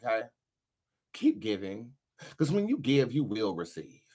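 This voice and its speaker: A man's voice: medium pitch, wildly swooping pitch, measured pace, warm tone. A man hosting a tarot show in casual livestream talk, with a sassy, emphatic, profanity-laced delivery. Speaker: host of a tarot reading show.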